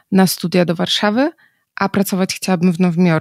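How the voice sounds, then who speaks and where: A woman at a moderate pace, with dry, echo-free sound and a quiet background. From Poland, Opole region (Krapkowice); Poland. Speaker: journalist. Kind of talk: casual interview. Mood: reflective, relaxed. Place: home room. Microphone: studio mic.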